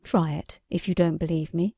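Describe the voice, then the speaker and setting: A woman's voice: fairly low pitch, steady tone, normal speed, creaky, breathy edge, no echo, voice pushed down. A woman doing a firm, plain-spoken king. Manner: firm, reasoning, lecturing. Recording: dry, slightly dull recording.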